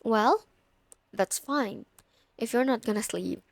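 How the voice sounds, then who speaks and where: Casting: actress as a friend's bossy older sister, young, teasing and coy, unhurried delivery, close dry sound for ASMR roleplay. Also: female voice, a little high, no echo. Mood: tired, insistent. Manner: casual, teasing, coy, lightly exasperated. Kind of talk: intimate ASMR audio roleplay.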